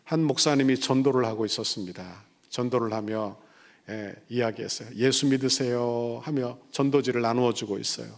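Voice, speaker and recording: A man's voice: medium pitch, normal speed, gravelly. A middle-aged man, a senior pastor, preaching a sermon and telling stories, acting out the people he quotes and building to emphatic passages. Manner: storytelling, acting out quoted voices.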